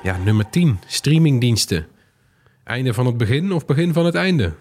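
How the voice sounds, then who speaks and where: A man's voice: medium pitch, sing-song, normal speed, a little mellow, soft background music. A man, presenting and chatting as a podcast host.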